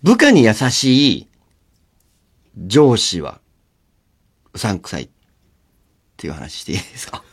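A man's voice: lowish voice, unhurried, long pauses, breathy edge. A man hosting a radio show alone, telling stories in a chatty, laughing way. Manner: chatty, laughing, storytelling with lively swings. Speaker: radio host. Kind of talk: casual solo radio chat. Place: radio studio. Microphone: studio mic.

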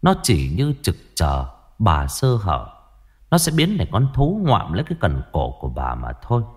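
Guy telling a ghost story, low husky voice, lots of ups and downs. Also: huge pitch swings, moderate pace. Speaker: narrator.

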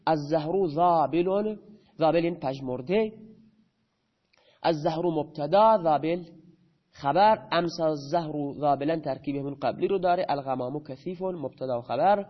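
A man's voice: fairly high pitch, lo-fi sound. A man teaching grammar in a lecture, who asks his students questions and then answers them himself.

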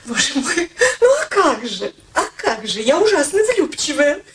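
A woman's voice: sits high, normal speed. A woman acting in a radio play as a devoted, wry middle-aged daughter, soothing and practical with dry irony. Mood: teasing, brisk. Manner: soothing, practical, dryly ironic. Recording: steady background noise.

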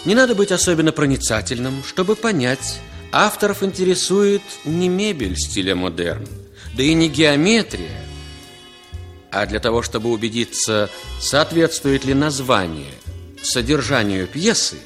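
Male narrator for a radio play, animated delivery, soft music underneath. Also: mid-range voice. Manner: measured, theatrical, lively delivery.

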